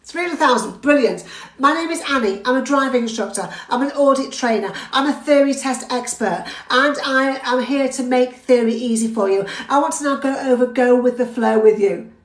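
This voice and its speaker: A woman's voice: high voice, normal speed, reverberant, rough recording. A British woman, a driving instructor, giving an upbeat live theory-test lesson and talking straight to her viewers. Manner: upbeat, talks straight to viewers, reads out comments. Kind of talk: live-streamed lesson, chatty and encouraging.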